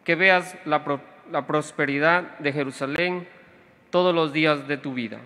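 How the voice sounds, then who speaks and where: A young man recites the psalm at an outdoor Mass in a clear, even way. His tone is bright and pressing, pitched a bit high. A long reverb from the sound system follows his words. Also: measured pace. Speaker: psalm reader. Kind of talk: reading a responsorial psalm. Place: outdoor tented stage. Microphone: stand microphone. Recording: reverberant public address sound.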